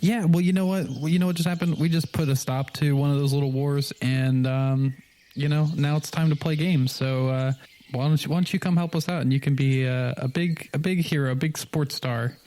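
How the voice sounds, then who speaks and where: A man's voice: a little high, steady tone, a little fast, dark tone. A man playing a tabletop roleplaying game, improvising in-character chat in a hesitant, joking way that repeats words.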